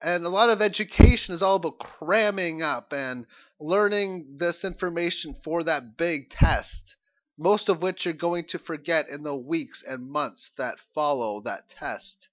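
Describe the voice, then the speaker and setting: A man giving an informal, opinionated monologue as host of an audio log, halting and rambling as he thinks aloud. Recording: dull, low-quality lo-fi audio log.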